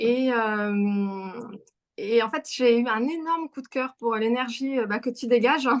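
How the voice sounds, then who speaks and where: Against a quiet background, a woman speaks at a high pitch with ordinary pitch variation. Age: 30s. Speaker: coaching client giving testimony. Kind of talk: testimony interview. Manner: halting, many hesitations.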